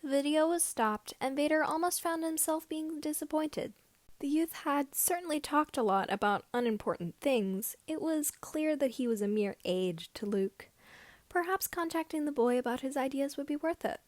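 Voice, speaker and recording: A woman narrating scripted fan fiction as an amateur reader, with somewhat halting phrasing. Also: high-pitched, no room sound.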